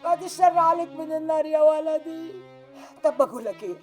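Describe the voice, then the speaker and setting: A woman's voice: sits high, fast talker, faint music behind, close to an everyday voice. An actress with an Egyptian accent playing an older, doting mother who pleads with and tenderly coaxes her grown son. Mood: pleading. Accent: Egyptian Arabic. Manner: pleading, then tenderly coaxing. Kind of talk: TV drama acting.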